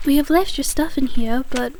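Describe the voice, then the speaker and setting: A woman's voice: high-pitched, normal speed. A woman playing a polite, formal asylum nurse who is kind but firm, in an ASMR audio drama. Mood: polite, soothing. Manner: formal, courteous, gently euphemistic. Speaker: nurse guiding a patient.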